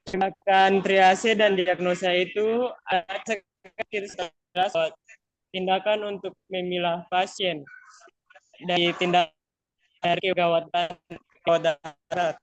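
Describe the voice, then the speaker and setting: A man, a nursing student, answers politely and haltingly in an online class while his call audio cuts out and breaks up. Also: sits high, level tone, poor audio. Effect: choppy, cutting-out online call audio. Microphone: video call.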